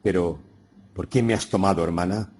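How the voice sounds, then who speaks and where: A calm, skeptical grown brother, read by a man in a storybook. His voice is very low and warm, and he speaks in a measured, earnest way. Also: breathy edge. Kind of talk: audiobook reading.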